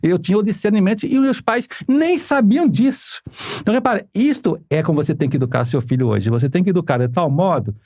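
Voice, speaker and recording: A man's voice: sits high, animated, fast talker, a little mellow, no echo. A man from Portugal, a podcast guest, explaining Catholic parenting earnestly and repeating his points for emphasis. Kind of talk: podcast conversation.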